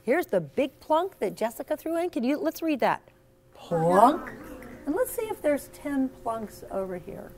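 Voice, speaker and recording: A woman's voice: high voice, big pitch swings, unhurried, a crowd in the background. A woman storyteller doing an interactive read-aloud for young children, encouraging and teacherly, with theatrical emphasis. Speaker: storyteller and author. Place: in front of a class of children.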